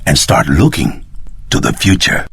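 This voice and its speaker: An actor playing a solemn, paternal elder in a video game, with a husky, measured and formal delivery. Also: male voice, extremely low pitch, big pitch swings, a bit bright, no echo, heavily acted. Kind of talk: scripted video game voice acting.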